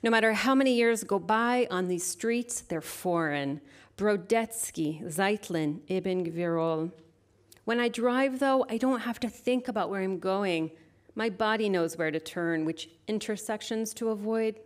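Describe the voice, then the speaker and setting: Woman poet reading slowly on stage. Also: medium pitch. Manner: hesitant, halting introduction, then slow measured reading. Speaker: poet and university lecturer. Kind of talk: poetry reading with spoken introduction. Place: stage at a literary venue. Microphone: stage microphone.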